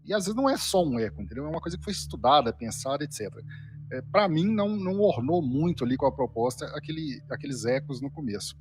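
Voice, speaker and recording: A man's voice: on the high side, animated, quick pace. A Brazilian man speaking as a guest reviewer, explaining a casual critique somewhat hesitantly. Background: faint background music.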